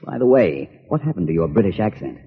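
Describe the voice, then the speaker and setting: An actor playing a suave, composed detective with a dry, ironic manner, in 1940s radio-drama style. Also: male voice, sits low, big pitch swings, fast talker, breathy edge, full character voice. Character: suave urbane male detective. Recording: dull old radio recording.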